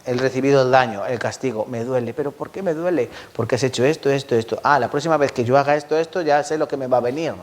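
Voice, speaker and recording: A man's voice: mid-range voice, fast talker, hardly any pauses, darkish tone. Man preaching, prodding the congregation. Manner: questions and prods the congregation. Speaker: pastor. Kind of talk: sermon. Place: church.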